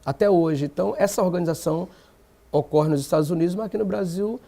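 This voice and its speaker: A man's voice: high voice, quick pace, vocal fry, warm tone. A Brazilian man, an activist guest on a TV panel, arguing emphatically with rhetorical questions. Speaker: black movement activist guest. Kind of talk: TV panel debate.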